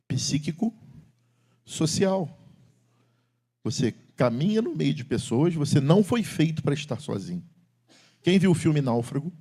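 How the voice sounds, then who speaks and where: A middle-aged male pastor preaching in a church sanctuary. His delivery swings widely, rising into loud, emphatic calls and then dropping into low, confiding tones. He speaks directly to the congregation. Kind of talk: sermon.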